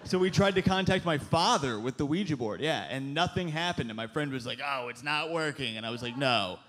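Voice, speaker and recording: A man in his thirties doing a stand-up set on a club stage with a handheld mic, punchy and animated, with loud put-on voices. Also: mid-range voice, brisk. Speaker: stand-up comedian. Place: club stage before a live audience. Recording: live club recording with crowd noise. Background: audience laughter.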